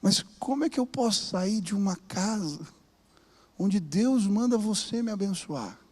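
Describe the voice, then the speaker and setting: A man voicing a small, simple, gentle elderly woman housekeeper, in soft, slow quoted speech. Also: high voice, animated, slightly rough, exaggerated voice. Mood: worried. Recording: long reverb of a large hall.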